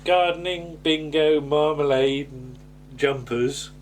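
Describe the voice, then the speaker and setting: Speaking slowly in a slightly high voice, a man hosts a podcast and casually talks through a sitcom episode he watched. His delivery rambles and hesitates, punctuated by chuckles, and there's a little background noise.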